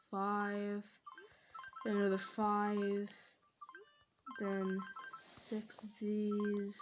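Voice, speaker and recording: A woman with a medium-pitched voice hosts a gaming channel, talking casually over her gameplay. She's chatty and rambling, quick to laugh and exclaim.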